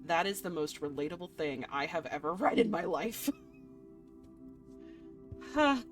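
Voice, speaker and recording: A woman reading a visual novel aloud as a game streamer, mixing expressive narration with casual, playful reactions. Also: lowish voice. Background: faint music.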